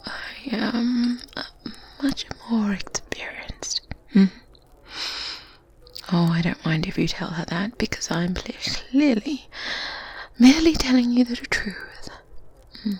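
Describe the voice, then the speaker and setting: A woman plays an experienced, self-assured good witch in a softly spoken ASMR roleplay, breathy and whispered, calm and gently condescending, slow and deliberate with hesitant pauses and hums. Her voice is a little high and animated. A close binaural mic catches faint ambience noise behind the whispers, with medieval sounds in the background.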